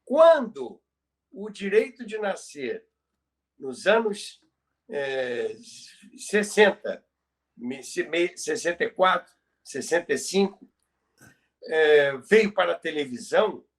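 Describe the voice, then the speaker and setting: A Brazilian man co-hosting a podcast, telling stories about radio history in a halting way that repeats words. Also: fairly high pitch, very animated. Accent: Brazilian Portuguese. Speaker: podcast co-host.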